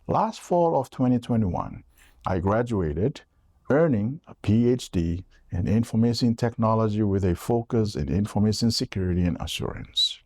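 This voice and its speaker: A man from Tonga reads his prepared campaign statement in an earnest, measured way. His voice is low, dark and gravelly. The sound is dry, with no room echo. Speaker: political candidate.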